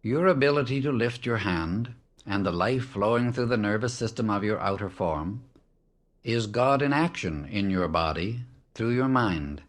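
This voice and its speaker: A man narrating a scripted spiritual discourse as an audiobook, solemn and measured, setting out short phrases with emphasis. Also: fairly low pitch, animated. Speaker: audiobook reader.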